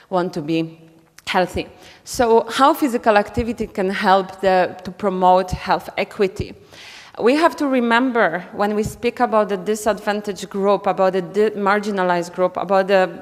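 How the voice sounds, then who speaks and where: A woman from Poland, giving a conference talk with many ums and restarts. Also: medium pitch. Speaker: conference speaker. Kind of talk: conference presentation. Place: conference hall. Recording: reverberant conference hall.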